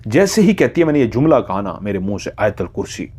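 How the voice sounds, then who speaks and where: Guy narrating a scary story, kinda low voice, dramatic, builds suspense by repeating bits. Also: very animated, quick pace, darkish tone, breathy edge. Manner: suspenseful, repeats phrases for emphasis. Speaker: horror storyteller. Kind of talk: dramatic spoken horror narration.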